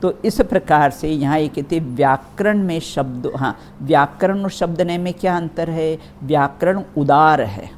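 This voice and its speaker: Woman teacher leading a religious philosophy class; deep register, slow and deliberate. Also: a little mellow, slight background noise. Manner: checks in often with the listeners. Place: study hall.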